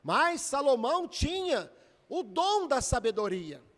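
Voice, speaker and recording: A man's voice: very high-pitched, sing-song, takes it slowly, fairly bright tone. A Brazilian man preaching in a church, retelling a story with dramatic, emotional intensity. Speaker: pastor. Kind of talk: storytelling sermon. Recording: echoey church hall.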